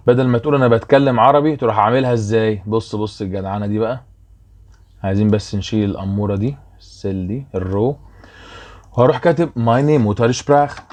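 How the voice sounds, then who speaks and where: Young man, Egyptian Arabic accent, chatty teacher explaining a worksheet, checks you're following, mid-pitched voice. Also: darkish tone. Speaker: German teacher.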